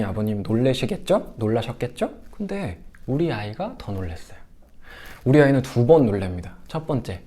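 Animated male lecturer with lively pitch. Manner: animated, acts out quoted lines. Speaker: sex education lecturer. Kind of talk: lecture to parents.

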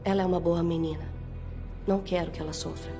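Woman acting as low-voiced, composed female agent over music. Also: steady tone, close to an everyday voice. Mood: earnest, reassuring. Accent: Brazilian. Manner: measured, earnest, businesslike. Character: composed, caring female agent guiding a partner. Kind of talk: dramatic video game voice acting.

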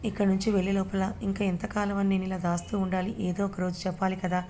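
A woman voicing a shy, anxious young woman in a spoken story, hesitant and defensive, with a mellow voice. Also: medium pitch, monotone, quick pace, slight background noise, lightly acted.

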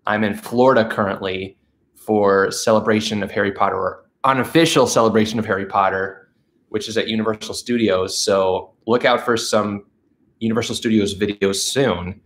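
Brief: stuffed-up man in his 30s with a lowish voice, chatty livestream host at home on the couch. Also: fairly even intonation, normal speed, fairly bright tone. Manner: chatty, upbeat, reads out viewer messages. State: stuffed-up nose from allergies. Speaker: channel host. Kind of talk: casual livestream chat. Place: living room with a couch, indoors. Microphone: camera facing him at close range.

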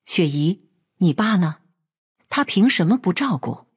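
A woman voicing an indignant, sharp-tongued young wife who scolds her selfish father-in-law in a read-aloud story. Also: fairly low pitch, lively intonation, unhurried, husky, heavily acted.

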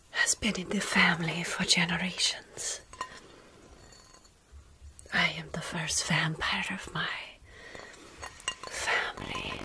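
A woman in her thirties whispering slowly and soothingly in an ASMR roleplay, playing a caring, centuries-old vampire close to the microphone. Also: on the low side. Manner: soothing, hushing, slow and deliberate.

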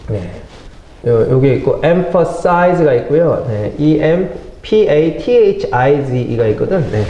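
Man teaching an english vocab lesson, mellow voice, echoey room, faint hiss. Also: on the high side. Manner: mixes English phrases into lively explanation, addresses students as kids. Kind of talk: classroom vocabulary lecture. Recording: echoey classroom with faint noise.

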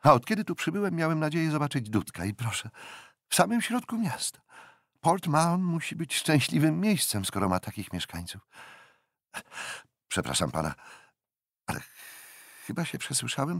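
A man's voice: medium pitch, sing-song, normal speed, pauses often, no room sound, studio quality, voice pushed up. A man voicing an eager male naturalist who exclaims in bursts and asks puzzled questions, in an audiobook. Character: excitable male naturalist, eager bird lover. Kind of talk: audiobook character voice.

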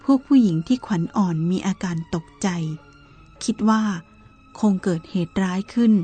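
A woman reading a Buddhist novel aloud in a calm, measured storytelling manner, with soft music behind her. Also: medium pitch, breathy edge. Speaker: narrator.

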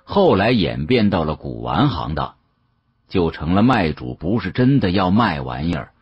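A man narrating an audiobook as a first-person story, in a colloquial, expressive, dramatic way. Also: low-pitched, normal speed, breathy edge, dry recording, muffled recording.

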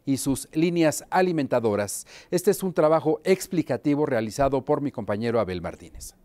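A man's voice: mid-range voice, expressive, moderate pace, dark tone, dry recording, clean studio sound. A man presenting the news from a television newsroom, opening the segment with a courteous, polished on-air delivery. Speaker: news anchor.

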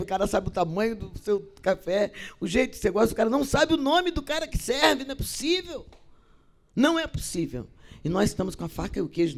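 Woman, Brazilian accent, middle-aged, gravelly, expressive storyteller, acts out dialogue. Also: lowish voice. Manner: acts out dialogue with shifting voices, expressive and theatrical. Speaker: actress and poet giving a talk to theater students. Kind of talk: lively storytelling talk.

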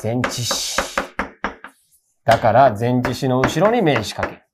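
A man's voice: mid-range voice, expressive, takes it slowly, very noisy. A man teaching an English grammar lesson for university entrance exams, talking in a casual, emphatic, colloquial way. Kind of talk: casual exam-prep lecture.

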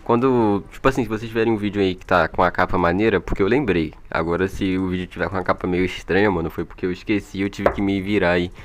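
A man's voice: sits low, fairly even intonation, fast, hardly any pauses. A man with a Brazilian accent giving casual, slangy, chatty gameplay commentary into an old microphone. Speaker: gaming video creator. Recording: music behind, old microphone.

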